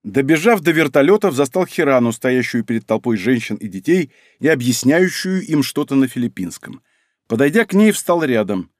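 Lively male audiobook narrator, dry sound. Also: mid-range voice, normal speed, dry recording. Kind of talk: first-person audiobook narration.

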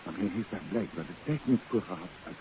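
Urbane radio detective from the 50s, really animated pitch, muffled noisy old recording. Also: male voice, fast talker. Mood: pensive, wary. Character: shrewd, urbane male amateur detective, husband. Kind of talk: 1950s Dutch radio drama acting. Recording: dull, hissy 1950s radio recording.

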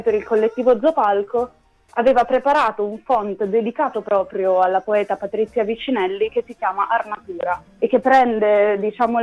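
A woman's voice: medium pitch, narrow, tinny audio. A woman guest from a theater collective, explaining her project thoughtfully in a radio interview.

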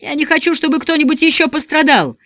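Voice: high voice, fast, bright, forceful tone, no room sound, pitched above the performer's own voice. A narrator voicing a small-town sheriff who calls out firm orders to surrender. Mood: commanding.

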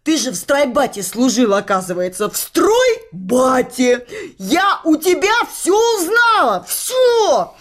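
A woman acting a furious, mocking working-class wife in a comic radio play, shrill and scolding in coarse colloquial speech. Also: sing-song, slow pace, exaggerated voice. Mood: bitter, mocking. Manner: scolding, sarcastic, shrill, repeating words tauntingly. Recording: studio radio play, faint music behind.

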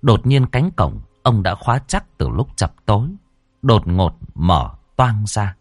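A man's voice: lowish voice, sing-song, unhurried, husky, no room sound, clean studio sound, soft background music. A man narrating a ghost story in a dramatic, suspenseful way. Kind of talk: audiobook narration.

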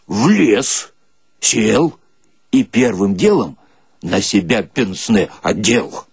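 Naive rank-and-file storyteller voiced by a man for comic radio reading, homespun, husky, very expressive. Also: fairly low pitch, extremely slow, no echo, studio quality, exaggerated voice. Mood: wondering, bemused. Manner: folksy, colloquial, simple-hearted. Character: naive illiterate Red Army soldier, a comic storyteller.

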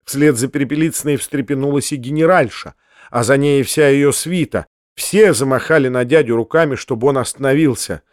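A man narrating a classic novel in a measured, literary reading. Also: mid-range voice, no room sound, studio quality. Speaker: audiobook reader. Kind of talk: scripted narration.

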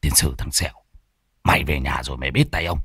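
A man's voice: rumbling low, fast talker, a bit bright, husky, dry recording, clean studio sound, voice pushed down, full character voice. A man voicing a fearful old male village sorcerer who stammers and mutters under his breath. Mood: grumbling. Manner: stammering, flustered.

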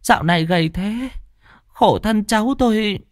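A man voicing a kindly old village woman who speaks softly and fusses over others. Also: sits high, moderate pace, no room sound, clean studio sound, pitched above the performer's own voice, close to an everyday voice. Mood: tender. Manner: soft, fussing, pleading.

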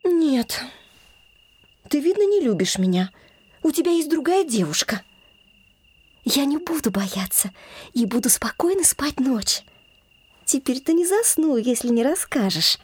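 A woman's voice: high voice, big pitch swings, a little slow, pauses often, a little mellow. Young woman coaxing in a half whisper. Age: young adult. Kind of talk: radio play acting.

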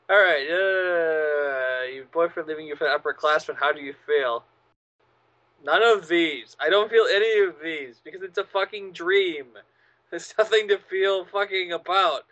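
A man's voice: a little high, moderate pace, fairly bright tone, dull audio. A man co-hosting a casual podcast chat, sardonic and swearing freely. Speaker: podcast co-host.

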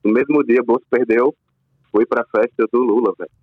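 A man's voice: medium pitch, steady tone, brisk. A man from Paraíba calling into a talk show over a phone line, joking in slangy, laid-back banter. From Paraíba, Brazil. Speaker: call-in listener. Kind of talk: casual call-in chat. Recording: muffled dry phone line.

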